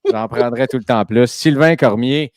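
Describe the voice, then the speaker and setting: A man's voice: medium pitch, moderate pace, darkish tone, no echo, studio quality. A man hosting a podcast, chatty and enthusiastic with plenty of fillers. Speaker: host. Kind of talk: casual podcast chat.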